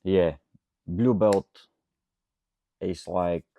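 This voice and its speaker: A man's voice: low-pitched, fairly even intonation, drawn-out words, mellow. A man from Bulgaria with a Bulgarian accent talks casually and unscripted as a coach, rambling a little and often checking with "okay?". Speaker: coach and host answering audience questions. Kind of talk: casual unscripted talk to camera.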